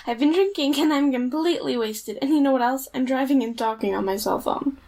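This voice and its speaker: A fairly high young female voice from an audio drama, played by a woman. The character is casual and flippant, stubborn, and easily exasperated. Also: fairly quick, darkish tone.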